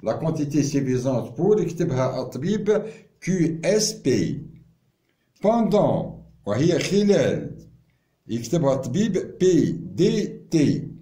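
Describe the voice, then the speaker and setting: A man gives an informal pharmacy lesson, explaining terms slowly, mixing in French and stalling with repeats. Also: on the high side, big pitch swings, warm tone, roomy sound. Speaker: pharmacy teacher.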